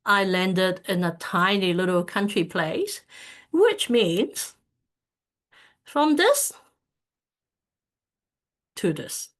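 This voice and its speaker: Woman from Hong Kong, casual online presentation, halting speech, lots of fillers, video-call mic. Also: medium pitch, lively intonation. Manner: hesitant, many fillers and restarts. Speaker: speaker at an online community event.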